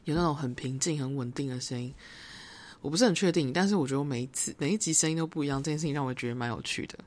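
A young woman with a Taiwanese Mandarin accent hosting a solo podcast, talking in a reflective, rambling way and slipping into English phrases. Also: rumbling low. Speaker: podcast host. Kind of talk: casual solo podcast monologue.

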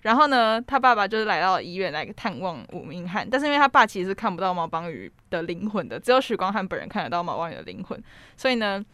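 A woman with a Taiwanese Mandarin accent hosting a casual chat, retelling scenes in an excited, gushing way. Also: mid-range voice, fast, no room sound. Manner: excited, gushing storyteller, laughs often. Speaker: host.

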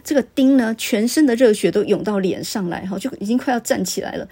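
Husky-voiced woman retelling a story. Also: medium pitch, animated, fast talker, warm tone. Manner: conversational, frequent filler particles. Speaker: literature podcast host.

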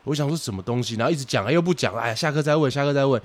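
A man who coaches boxing, chatting casually on a podcast, telling lively anecdotes and swearing for comic effect. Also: medium pitch, rapid-fire, dry recording.

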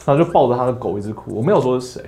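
A young man with a Taiwanese Mandarin accent, hosting a casual solo podcast and telling stories animatedly, acting out other people's lines in raised voices. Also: very fast. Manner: animated storytelling, acts out quotes with high voices. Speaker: podcast host.

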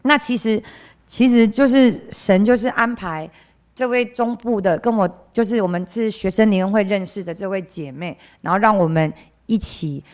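At church, a young woman from central Taiwan shares a candid, chatty personal testimony in Taiwanese-accented Mandarin. Her mid-range voice is a little mellow and moves at a normal speed, often trailing off into filler phrases as she acts out the voices of people she quotes.

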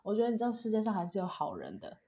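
A woman's voice: medium pitch, huge pitch swings, rapid-fire, warm tone. A young woman co-hosting a casual podcast, telling a story animatedly and acting out what others said. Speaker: podcast co-host. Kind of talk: casual chat.

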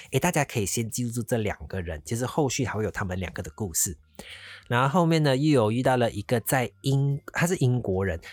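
A man's voice: medium pitch, no room sound. A man casually telling a travel story, rambling along and slipping into English phrases. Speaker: vlogger.

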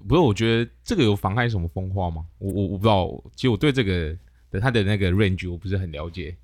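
A man's voice: deep voice, expressive, fast talker, a little mellow, no echo, clean studio sound. A man with a Taiwanese accent chats casually as a podcast co-host, agreeable and often repeating short phrases. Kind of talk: casual chat.

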